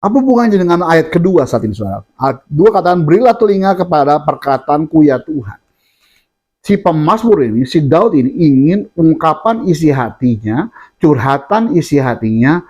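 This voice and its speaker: A man delivers a sermon in a slightly high voice, often turning to address his listeners between hesitations. The recording is dull and lo-fi. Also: sing-song, normal speed, darkish tone, slightly rough. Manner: addresses listeners as "saudara" often, with fillers and restarts. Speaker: preacher.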